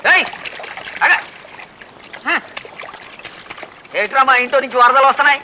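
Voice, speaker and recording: Bossy master calling out. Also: male voice, extremely high pitch, normal speed, bright, forceful tone, a little hiss or hum, heavily acted. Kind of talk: comic film dialogue.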